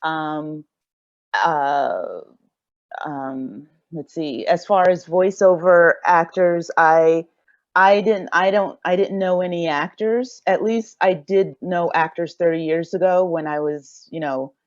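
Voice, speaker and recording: A woman's voice: on the low side, takes it slowly, no room sound, lo-fi sound. A middle-aged woman speaking as a creator on a casual panel, rambling and thinking aloud hesitantly. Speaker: audio drama creator on a panel.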